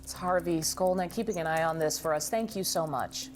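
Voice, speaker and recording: A woman's voice: on the low side, brisk, faint music behind. A woman news anchor conducting a live television interview.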